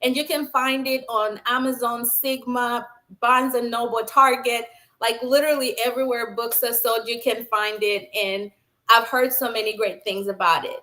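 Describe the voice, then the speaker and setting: A woman's voice: a little high, steady tone, normal speed, bright, forceful tone. A woman from Zambia, a nurse scientist, telling her career story in an earnest, enthusiastic conversational way. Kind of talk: conversational interview.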